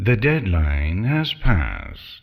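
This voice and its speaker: A man does a put-on character voice, growling and hissing. His pitch is very deep and low, with very wide swings. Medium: read story.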